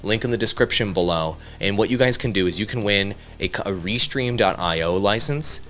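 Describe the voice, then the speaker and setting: A man presenting a casual software tutorial in an upbeat, conversational way, speaking directly to viewers into a studio microphone. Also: on the low side, expressive, a little fast. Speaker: tutorial host, content creator. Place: home studio.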